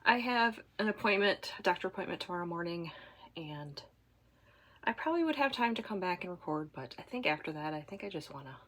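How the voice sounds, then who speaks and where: A congested woman hosts her knitting video podcast from home. Her voice sits a little low, and she rambles comfortably, with fillers and trailing asides. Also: fairly bright tone. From Michigan, USA. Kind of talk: casual chat to camera.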